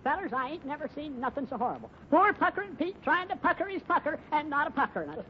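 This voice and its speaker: Folksy old Western American cowboy, rambling tall-tale teller, high and swooping, 1950s radio comedy. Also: male voice, very animated, quick pace. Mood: boastful, dramatic. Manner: rambling, drawling, exaggerating storyteller. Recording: muffled, hissy old radio recording.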